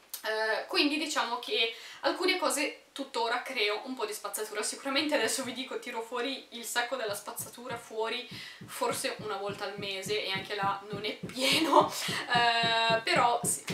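Music plays in the background as a woman speaks in an animated tone at a moderate pace. Her pitch varies in an ordinary way, and audible room echo surrounds her. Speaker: YouTuber / vlogger. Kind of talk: casual vlog monologue to camera. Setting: home video recording. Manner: chatty, informal, animated. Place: home room. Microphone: camera far.

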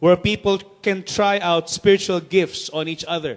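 A man talks at a fairly slow pace in a high voice. His intonation stays fairly even. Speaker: pastor. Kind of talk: sermon.

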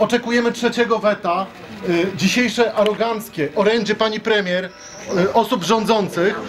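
A moderate pace amid noticeable background noise. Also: man. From Poland. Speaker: rally organizer and speaker. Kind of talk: rally speech. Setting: outdoors at a public protest with crowd. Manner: formal, earnest, urgent; rallying, emphatic, repetitive. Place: street.

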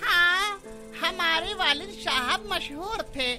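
Over clear background music, a woman uses a gruff, put-on character voice at a very slow pace. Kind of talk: dramatized character dialogue. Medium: cartoon. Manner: proud, gruff, teasing, lecturing.

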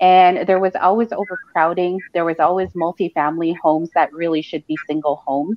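A woman with a Canadian accent speaks in a plain, everyday voice at a fairly low pitch and a fairly quick pace. Her intonation is fairly even, with hardly any pauses, over a quiet background. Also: dry sound with no echo. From western Canada. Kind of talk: panel discussion. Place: home room. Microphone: earbuds.

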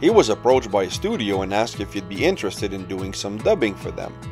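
Music plays in the background as a man speaks. His intonation is lively. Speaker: YouTube reviewer, host. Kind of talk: documentary-style narration.

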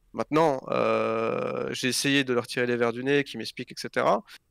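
A man speaks at a moderate pace, with a dry, close sound, no echo, and a very clean recording with a silent background. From Switzerland. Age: 20s. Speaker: esports player. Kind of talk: interview. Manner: halting.

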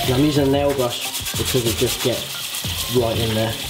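The speaker keeps a moderate pace. Loud background noise fills the recording. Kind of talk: tutorial. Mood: casual, jokey. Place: shop.

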